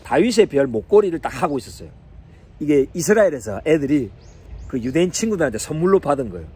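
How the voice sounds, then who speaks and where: A man teaching on a psalm and telling a family story in an animated sermon style, chuckling now and then. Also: fairly high pitch, fast talker, breathy edge. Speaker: Bible teacher.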